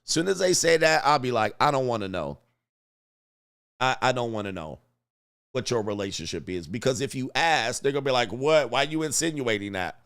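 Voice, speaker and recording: Animated laughing livestream host. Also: male voice, medium pitch, moderate pace, smooth. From Southern California. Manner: animated, laughing, mocking asides. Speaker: livestream host reading super chats. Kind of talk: casual livestream commentary.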